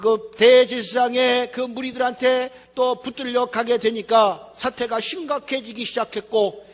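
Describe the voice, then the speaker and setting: A male pastor preaches a sermon in a church sanctuary, his dramatic delivery rising and falling as he asks rhetorical questions. His voice is extremely high-pitched and a bit bright, and the church hall is echoey.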